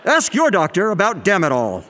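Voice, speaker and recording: Drug-ad announcer, a man plays him, slick, high and lively, reverby. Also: normal speed, noisy background. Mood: salesy. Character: smooth adult male drug-ad announcer.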